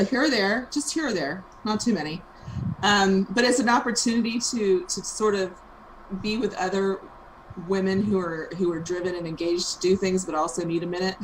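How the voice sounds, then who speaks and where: A woman in her fifties co-hosting a business show, talking in a thoughtful, even way with frequent ums. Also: lowish voice, moderate pace, a little hiss or hum, poor audio. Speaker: co-host and franchise owner. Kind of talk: casual chat.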